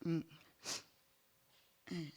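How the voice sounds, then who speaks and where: A middle-aged woman giving an emotional personal testimony at a church gathering, halting, with many fillers and small laughs between phrases. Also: mellow.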